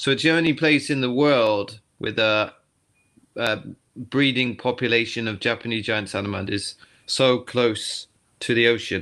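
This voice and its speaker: A man talks at medium pitch in a southern English accent. His tone is bright and sharp, on a very clean recording with a silent background. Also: ordinary pitch variation, moderate pace. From England, Cotswolds. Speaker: nature tour guide and conservationist. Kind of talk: casual interview.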